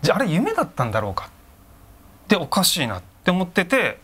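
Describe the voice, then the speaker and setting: A middle-aged man telling a ghost story conversationally, building it up in short phrases with pauses and fillers. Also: high voice, wildly swooping pitch, sharp tone, a little hiss or hum. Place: dark studio, seated round candlelit tables.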